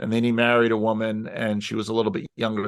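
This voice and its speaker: This man uses a plain, everyday voice at a medium pitch and a moderate pace. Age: 60s. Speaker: pastor and commentator. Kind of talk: casual chat.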